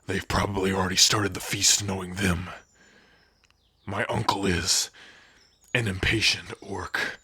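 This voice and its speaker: A gruff orc warrior, acted by a man, fiercely protective of his spouse. His voice is low and very husky, and he takes his time in a brooding ASMR roleplay delivery. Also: little pitch movement, measured pace, bright, forceful tone, no room sound, exaggerated voice. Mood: wary, protective. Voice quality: raspy, husky.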